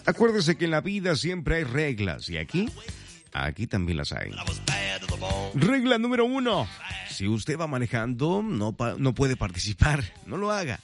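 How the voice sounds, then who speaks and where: A man's voice: a little high, huge pitch swings, unhurried, music in the background. A man hosting a morning radio trivia segment, chatty and playful, talking straight to listeners. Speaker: radio host.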